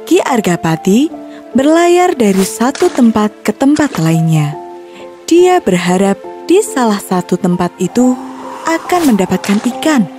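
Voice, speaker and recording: Children's story narrator: woman, warm and mellow, very lively intonation. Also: a little high, a little slow, soft background music. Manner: expressive, storybook-like. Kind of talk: scripted narration of a children's fairy tale.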